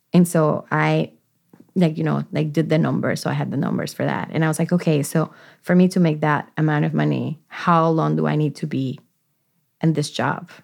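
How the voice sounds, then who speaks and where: A woman talks with a Spanish accent. Her pace is moderate. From Dominican Republic. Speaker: motion graphics designer and storyteller. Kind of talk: interview. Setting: in person.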